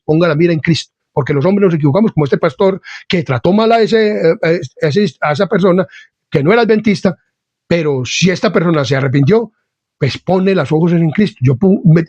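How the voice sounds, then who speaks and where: A man with a high voice for his sex preaches an informal sermon straight to his viewers, blunt and hard in delivery, and he keeps calling his listener dear friend and brother. The sound is dry and close, with a slightly dull, lo-fi tone. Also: dry recording. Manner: insists he is not angry while speaking forcefully. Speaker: lay preacher. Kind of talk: informal sermon to an online channel.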